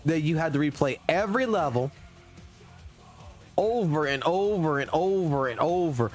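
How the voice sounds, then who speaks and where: Faint music plays behind a man in his thirties who rants with profanity and emphasis during a casual gaming stream from home, using a desk mic. He talks at normal speed in a fairly high, animated voice.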